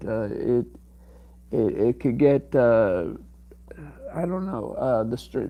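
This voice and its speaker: A man hosting a livestream in casual chat, his voice strained and cracking, rambling and halting with many fillers. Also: medium pitch, dark tone, rough recording. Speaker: livestream host.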